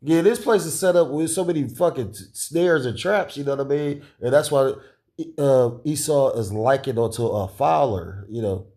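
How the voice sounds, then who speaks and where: Rambling man with a dark, deep voice. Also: normal speed. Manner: rambling, many restarts and fillers, chuckles often. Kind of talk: casual conspiratorial chat.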